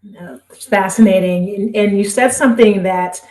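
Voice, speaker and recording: A woman's voice: medium pitch, normal speed, warm tone. Affirming woman host, echoey room. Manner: affirming, upbeat, conversational with tag questions. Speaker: podcast host. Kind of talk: casual interview chat.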